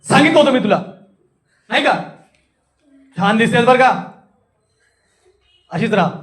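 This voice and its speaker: A high-pitched, stern scolder with a short fuse, acted by a man. Questions come out as irritated jabs, and even praise sounds like a telling-off. It is a theatrical classroom demonstration of anger. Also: a little slow. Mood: angry, scolding. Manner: irritated, sharp rhetorical questions.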